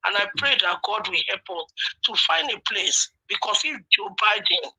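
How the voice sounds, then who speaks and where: A woman's voice: medium pitch, expressive, normal speed, bright, forceful tone, slightly rough, rough recording. A woman with a southern Nigerian accent calling a talk show to give an earnest political opinion. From Delta State, Nigeria.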